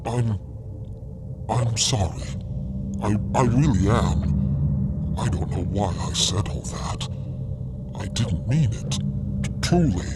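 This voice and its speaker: A man playing a gentle, apologetic, exhausted arthropod alien in an audio drama, speaking haltingly and courteously. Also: fairly low pitch, very noisy. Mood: remorseful, halting. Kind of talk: audio fiction podcast acting.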